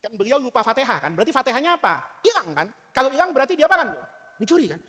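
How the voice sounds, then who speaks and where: A male preacher telling a story in a sermon, animated and switching into lower voices for the characters. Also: racing, in a large hall.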